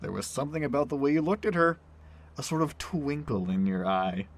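A husky-voiced man acting as a jokester train crewman in an audio drama. He teases sarcastically and exaggerates, his pitch swooping all over. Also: expressive, a little fast. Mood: teasing. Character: teasing, wisecracking train crewman, jokester buddy.

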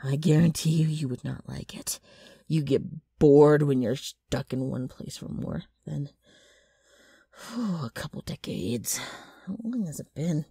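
A brash, scheming ghoul talks straight to the listener in an ASMR roleplay. Her voice is low and very husky, with rambling patter that swings widely in pitch. She clears her throat and trips over her own sales pitch. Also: expressive, measured pace, warm tone, dry recording, clean studio sound, heavily acted. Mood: wry, evasive. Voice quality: rough, raspy. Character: gross, brash, scheming female ghoul ghost.

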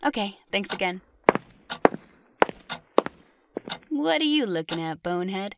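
An actress playing a subdued, polite young student clerk in an audio drama, talking hesitantly. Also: female voice, medium pitch, sing-song, a little fast. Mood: sheepish. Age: young adult. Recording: noisy background with clicks.

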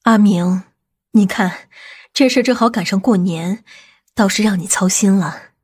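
A woman playing a composed, authoritative middle-aged aunt in audiobook drama dialogue, speaking in a measured way. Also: medium pitch, a little mellow, breathy edge. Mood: gentle, reflective.

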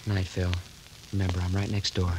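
A man's voice: low-pitched, monotone, brisk, natural voice. An actor playing an earnest, uneasy young man in a 1940s radio drama. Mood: polite. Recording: old radio recording with clear hiss.

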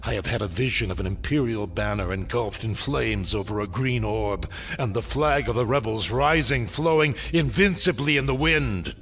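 A man playing a brooding, power-hungry dark lord in a sci-fi audio drama, with a theatrical, ominous delivery. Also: on the low side, normal speed, hardly any pauses, a little hiss or hum. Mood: menacing.

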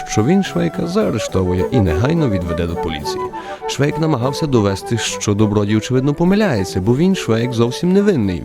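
A man narrating a radio play as a scripted, wry literary story. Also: mid-range voice. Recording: music under the voice.

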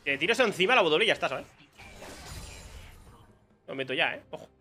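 A man's voice: a little high, very animated, fairly quick, sharp tone, faint music behind. A young man with a Spain Spanish accent giving casual live commentary on his own gameplay, muttering to himself and exclaiming when surprised. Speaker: gaming streamer.

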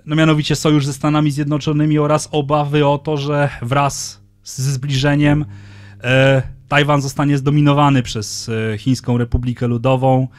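A man in his thirties giving a conference lecture into a handheld microphone, speaking in a measured way with frequent hesitations. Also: fairly high pitch, flat delivery, no room sound. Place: lecture room, indoors.

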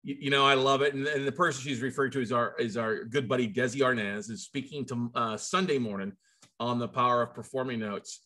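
An American man in his forties hosts an online conference over a video call from indoors, using a virtual background. He's casual, effusive, rambling and jokey, with a mid-range, pushed and bright voice, a steady tone and a fairly quick pace.

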